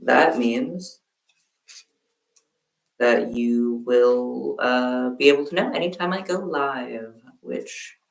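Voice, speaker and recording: A man streaming a relaxed crafting session from home, chatting with viewers in a halting way while he works. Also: medium pitch, vocal fry, distant mic. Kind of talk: casual crafting livestream chat. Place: room at home, quilt behind. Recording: roomy sound from off-mic.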